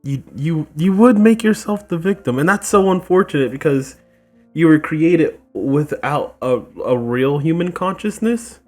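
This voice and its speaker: Female gamer host, deep-pitched, wry and informal reactions, faint music behind her. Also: animated, unhurried, darkish tone. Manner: colloquial, wry, talks back to the game. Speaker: gaming video host. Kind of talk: casual reactive game commentary.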